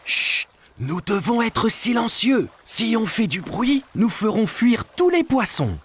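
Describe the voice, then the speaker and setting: A woman's voice: on the high side, big pitch swings, slow pace, slight background noise. A woman voicing a patient, kindly parent who explains things simply and reassuringly in a children's cartoon. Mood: patient, explaining.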